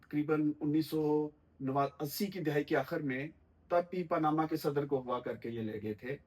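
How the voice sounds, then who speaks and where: Measured man analyzing politics. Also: on the high side, darkish tone, poor audio. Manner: measured, formal vocabulary, frequent "uh" pauses. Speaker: political commentator guest.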